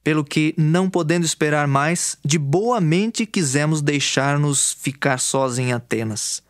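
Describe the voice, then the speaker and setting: A man's voice: a little high, a little slow, no echo, clean studio sound. A man with a Brazilian accent reading scripture from a script for an audio Bible, in an earnest, declamatory way. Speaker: scripture reader. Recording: music under the voice. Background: background music.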